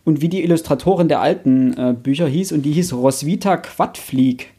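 A man's voice: fairly high pitch, normal speed, warm tone, slightly rough. A young man hosting a casual book discussion, thinking aloud in a hesitant, self-correcting way. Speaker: podcast host.

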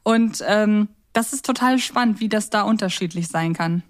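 Speaking at a moderate pace in a mid-range voice, a woman from Germany swaps stories as a podcast co-host in a relaxed, conversational chat.

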